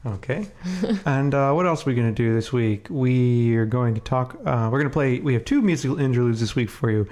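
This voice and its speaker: A man's voice: medium pitch, fairly quick, few pauses. Sniffly man co-hosting a casual podcast. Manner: relaxed, chatty, many fillers. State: congested from a cold, sniffling. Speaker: podcast co-host.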